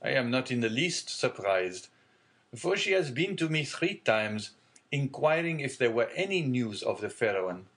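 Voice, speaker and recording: A man reading aloud and voicing a genial, fatherly older shipowner in a hearty, booming manner. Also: big pitch swings, measured pace, a bit bright. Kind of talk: audiobook character reading.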